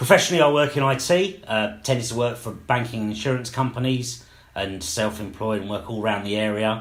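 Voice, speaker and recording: A man with a South London accent at a medium pitch and fairly quick pace, ordinary pitch variation, and audible room echo. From South London, Croydon. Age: 40s. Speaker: political podcast co-host. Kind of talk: podcast introduction.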